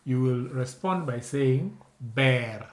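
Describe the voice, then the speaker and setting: Male language teacher, Kenyan accent, unhurried and patient, mid-pitched, prompts repetition. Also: expressive. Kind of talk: spoken beginner language lesson with repetition.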